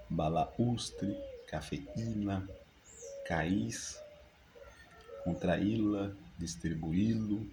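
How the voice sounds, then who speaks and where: A man, teaching a grammar lesson by reading rules and dictating example words slowly and deliberately. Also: sits low, mellow, slight background noise, poor audio. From Brazil.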